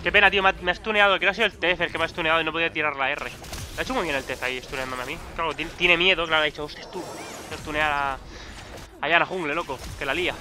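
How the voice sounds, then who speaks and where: Excitable high-voiced Spanish gamer. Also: male voice, very fast, background noise. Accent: Peninsular Spanish. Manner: excitable, swearing, frequent loud outbursts. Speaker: gaming YouTuber. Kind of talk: live gameplay commentary.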